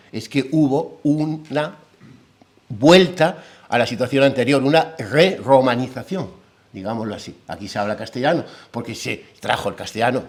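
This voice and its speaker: A man with a Peninsular Spanish accent gives an academic lecture as a philologist. He explains patiently and keeps checking in with his listeners through rhetorical tag questions. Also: mid-range voice. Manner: lively, with a humorous anecdote.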